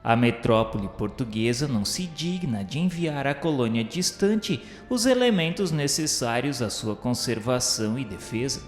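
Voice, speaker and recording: A man reads scripted historical narration in a formal, measured, declamatory way, like a solemn radio drama narrator. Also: medium pitch, lively intonation. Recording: reverberant echoey hall sound with music. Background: music.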